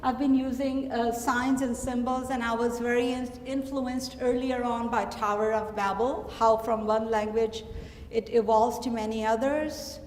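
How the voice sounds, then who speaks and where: A middle-aged woman from Pakistan with a Pakistani accent, an artist giving a reflective, halting gallery talk about her work. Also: on the high side, fairly even intonation, a little mellow, a little hiss or hum. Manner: reflective, halting with frequent fillers. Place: gallery hall. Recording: echoey gallery hall.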